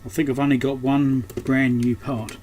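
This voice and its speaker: A man's voice: mid-range voice, flat delivery, normal speed, a little mellow. A man giving casual, unscripted hands-on repair commentary, thinking aloud as he works. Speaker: host of an electronics repair channel. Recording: clearly noisy background.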